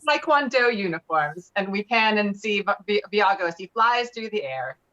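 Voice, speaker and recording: A woman's voice: mid-range voice, lively intonation, moderate pace, sharp tone. A woman reading screenplay stage directions in an online table read, over lo-fi call audio. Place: remote video-call reading. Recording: dull, lo-fi video-call audio.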